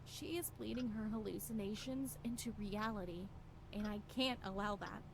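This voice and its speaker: A woman playing a grave character in a horror game, reading sinister letters and diary entries aloud in a measured, formal, dramatic way. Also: mid-range voice, gravelly, background noise, close to an everyday voice. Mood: brooding, sinister. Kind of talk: scripted horror game narration.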